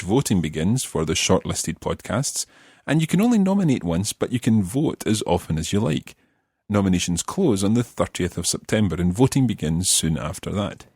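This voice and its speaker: A man's voice: on the low side, darkish tone, slightly rough, no echo, clean studio sound. A man hosting a language podcast, explaining grammar patiently step by step and encouraging his learner. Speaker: language teacher and podcast host.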